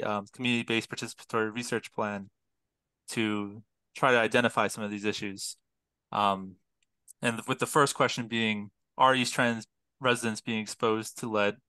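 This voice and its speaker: A young man on a video call explains his research through a headset, careful and detailed, often pausing on fillers. His voice is bright and crisp. The sound is dry and close. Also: fairly low pitch, level tone, dry recording. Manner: detailed, precise, many fillers and restarts. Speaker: public health PhD student, guest. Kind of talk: explanatory interview talk.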